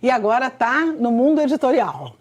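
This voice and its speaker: A woman's voice: sits high, big pitch swings, moderate pace. A woman hosting a TV interview in a studio, reading an introduction and then chatting with frequent tag questions. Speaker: TV interview host. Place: television studio.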